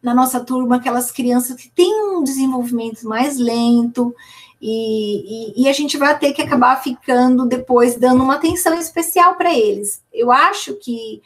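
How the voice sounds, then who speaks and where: A Brazilian woman with a fairly high voice, speaking like a reassuring literacy teacher in a casual live Q&A. She sounds out syllables slowly to show them, and her voice comes from a little away from the mic. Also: distant mic. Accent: Brazilian Portuguese. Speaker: literacy teacher answering viewer questions.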